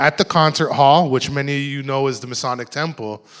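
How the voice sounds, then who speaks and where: A man talks with a Toronto accent. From Toronto, Rexdale. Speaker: podcast host and moderator. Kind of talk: interview on stage. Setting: stage with audience.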